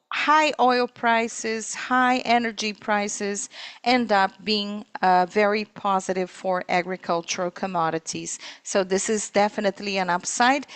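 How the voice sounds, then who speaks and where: A woman interpreting live on a corporate earnings call, speaking in halting, piecemeal phrases. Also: mid-range voice, no echo. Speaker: simultaneous interpreter.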